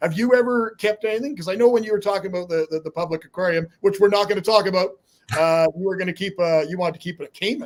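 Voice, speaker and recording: A loud, high-pitched man at a very fast pace, with ordinary pitch variation. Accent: Canadian. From Canada. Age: 50s. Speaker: aquarium YouTuber. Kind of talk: casual chat.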